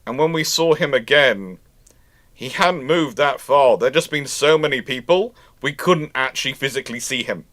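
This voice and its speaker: A naval historian hosts a casual livestream, chatting and answering viewer questions while rambling and often repeating or rephrasing himself. His mid-range voice is fairly bright and moves at normal speed. There's no echo.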